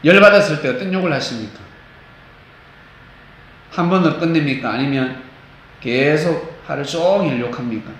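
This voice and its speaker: A man preaching a sermon as pastor, animated, acting out quotes and singing bits of hymns. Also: on the high side, normal speed, long pauses. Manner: animated, acts out quotes, sings snatches of hymns. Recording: echoey church hall, faint noise.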